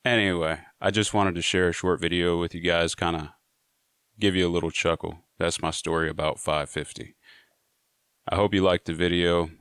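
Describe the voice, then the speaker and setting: Man, casual storytelling, laid-back, low voice, dry close sound. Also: fairly even intonation, normal speed, a bit bright, clean tone, dry recording. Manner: conversational and laid-back, with frequent "you know". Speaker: storyteller sharing prison stories.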